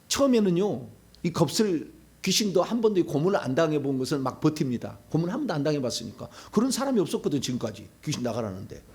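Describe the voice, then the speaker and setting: A middle-aged male pastor giving a sermon, preaching animatedly and acting out demons' pleas and shouted commands. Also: high-pitched, slightly rough.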